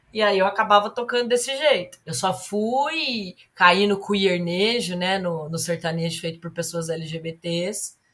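A woman speaks in a plain, everyday voice at medium pitch and a fairly slow pace. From Ribeirão Preto, São Paulo state, Brazil. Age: 30s. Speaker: queernejo musician. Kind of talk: casual interview chat.

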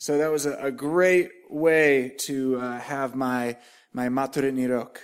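Speaking in a Texan accent, a man with a fairly high pitch for a man moves at a fairly slow pace with fairly even intonation. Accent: Texan American. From Texas. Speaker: missionary preacher. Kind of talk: sermon with interpreter. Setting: church. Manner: pausing for interpretation.

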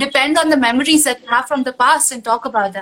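The speech comes at a very fast pace in an Indian accent. Pitch variation is ordinary. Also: woman. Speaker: podcast host. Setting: video call. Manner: animated.

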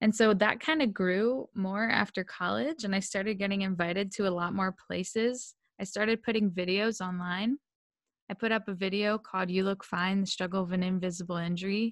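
A woman with an American accent speaks at a fairly quick pace in a medium pitch, with ordinary pitch variation. It's a plain, everyday voice over a quiet background. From US, Delaware. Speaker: brain injury survivor, singer and speaker. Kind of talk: interview testimony. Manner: casual, conversational.

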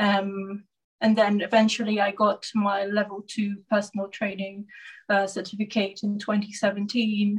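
The voice is somewhat breathy, with monotone, flat intonation at a fairly slow pace. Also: woman, medium pitch for a woman. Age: 20s. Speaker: personal trainer. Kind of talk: interview.

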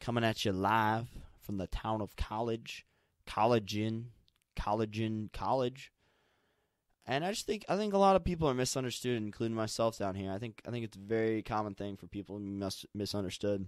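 In an animated tone, a man talks at a fairly quick pace with medium pitch and ordinary pitch variation. The recording is very clean, the background silent. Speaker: solo vlogger. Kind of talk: casual monologue to camera. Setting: home recording on camera. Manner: fast.

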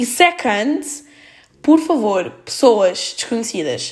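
The voice has an animated tone, captured on a very clean recording with a silent background. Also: woman. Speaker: podcast host. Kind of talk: casual monologue.

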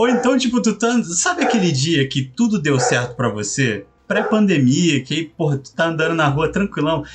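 Over noticeable background noise, a high-pitched man speaks at a moderate pace with hardly any pauses and very wide pitch swings. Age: 30s. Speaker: podcast co-host. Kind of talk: casual chat. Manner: animated.

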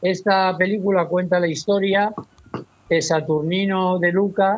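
Speaking at a fairly slow pace, a man has a high voice. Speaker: film director. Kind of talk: interview. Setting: phone call. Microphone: distant, sounded far away at first.

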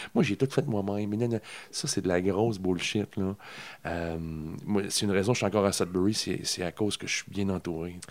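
In a very clean recording with a silent background, a man uses an ordinary speaking voice, fairly low in pitch, with ordinary pitch variation and a moderate pace. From northern Ontario, Canada. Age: 40s. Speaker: comedian and singer-songwriter. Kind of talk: casual chat. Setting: at the host's home, over a beer.

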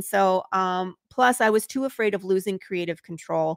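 A woman speaks at a moderate pace with a medium pitch and an American accent, in a normal speaking voice. The sound is dry and close, with no echo. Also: very clean recording, silent background. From Michigan, Detroit suburbs. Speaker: comic book writer. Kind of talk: casual interview.

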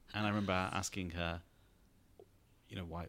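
A man speaks at a very fast pace. His very deep, low pitch shows ordinary pitch variation. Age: 30s. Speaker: tech executive and venture partner, career coach. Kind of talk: interview.

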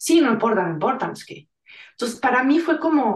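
A woman with lively intonation and a Mexican accent. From Mexico. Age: 40s. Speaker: emigrant mother. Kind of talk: interview. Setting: video call.

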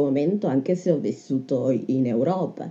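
This woman's tone is dark and mellow. Her intonation is lively. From northeast Italy, Trieste/Monfalcone. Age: 20s. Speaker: architect. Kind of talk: interview conversation.

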